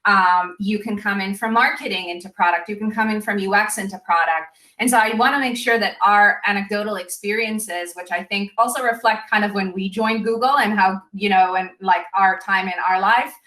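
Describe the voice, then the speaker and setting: Brief: woman moderator, mid pitch, bright tone, conversational, recorded in an echoey room. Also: moderate pace, few pauses. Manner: thoughtful, conversational. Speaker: panel moderator. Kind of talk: conference panel moderation.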